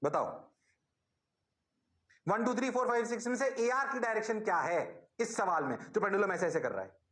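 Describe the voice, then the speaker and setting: A man teaching physics in an online class, energetic and coaxing, repeating prompts to his students. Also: high voice, moderate pace, echoey room.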